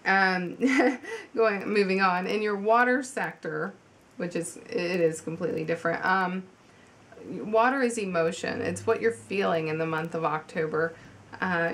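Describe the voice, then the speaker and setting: A woman with a slight cold reading tarot at home in a chatty, halting way, with many ums and restarts. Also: mid-range voice, fairly bright tone, a little hiss or hum. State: has a cold, slightly congested. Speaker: tarot reader. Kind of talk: casual video tarot reading.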